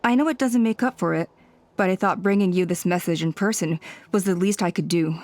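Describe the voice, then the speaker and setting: A woman's voice: on the low side, a little fast, a little mellow, no echo, close to an everyday voice. A woman playing a dutiful, composed female tribal elder in an anime-style video game, formal and polite. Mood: apologetic. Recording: music playing behind the voice.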